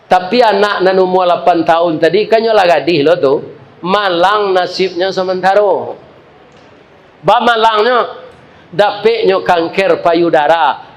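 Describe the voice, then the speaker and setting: A Minangkabau-accented preacher delivers a humorous sermon in a high voice. He tells a story in a lively way and turns to the congregation with joking asides.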